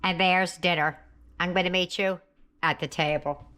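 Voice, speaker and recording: A woman's voice: fairly low pitch, fairly even intonation, normal speed, pushed and bright. A woman hosting a home cooking video, chatting casually in her kitchen and at the family table, sometimes talking with her mouth full. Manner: chatty and homey, talks while eating.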